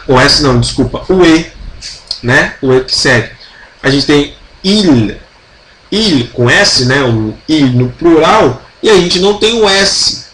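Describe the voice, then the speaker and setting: A Brazilian man with a fairly high voice leads a relaxed French lesson, speaking very slowly and repeating each example with care. His chatty, joking asides keep it informal. The recording is roomy, with a faint hum behind him. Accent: Brazilian Portuguese. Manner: chatty, playful asides, slow careful repetition of example sentences. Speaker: French teacher. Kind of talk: casual online grammar lesson.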